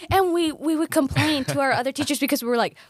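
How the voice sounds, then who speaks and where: A woman's voice: sits high, fast talker. A young woman from Honduras, a native Spanish speaker, chatting casually and telling stories with lots of laughter and fillers. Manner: animated storyteller, laughs often, many fillers. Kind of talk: casual chat.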